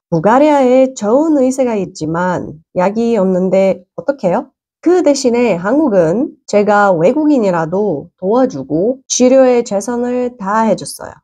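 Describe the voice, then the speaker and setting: Spoken at a very slow pace with a Bulgarian accent, the voice swings very widely in pitch over a quiet background. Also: woman. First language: Bulgarian (speaking Korean). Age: 30s. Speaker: YouTuber. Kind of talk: contest speech. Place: home room. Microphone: lapel.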